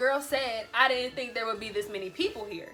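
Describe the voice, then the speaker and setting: A woman's raised, projected voice, high-pitched and very fast, over music in the background. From Ohio. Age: 20s. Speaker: YouTuber. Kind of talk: reaction commentary.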